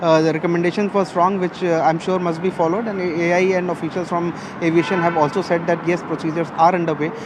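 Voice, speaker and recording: A man's voice: a little high, level tone, fast talker, few pauses, noisy background. A man with an Indian accent giving a live news report, urgent and often correcting himself, partly reading from a document.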